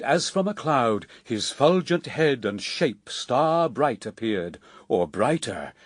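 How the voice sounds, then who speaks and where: Male narrator for epic radio verse: solemn, measured, widely swinging intonation, close dry sound. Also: medium pitch, dry recording. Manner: solemn, measured, theatrical phrasing with weighty pauses.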